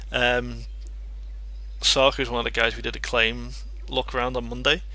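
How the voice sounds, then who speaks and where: A man with a Liverpool accent at a moderate pace, over noticeable background noise. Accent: mild Liverpool. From England, Liverpool. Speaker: game streamer. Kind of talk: live stream game walkthrough commentary. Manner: casual, many fillers and hesitations.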